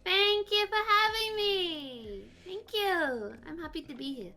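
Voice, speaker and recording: A woman VTuber being interviewed, talking casually and haltingly with lots of fillers. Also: very high voice, expressive, sharp tone, faint music behind. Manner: rambling, halting, many fillers. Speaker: VTuber guest.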